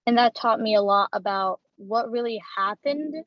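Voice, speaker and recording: A teenage girl, a student on a panel, answering in a thoughtful, measured way. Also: on the high side, no echo, lo-fi sound.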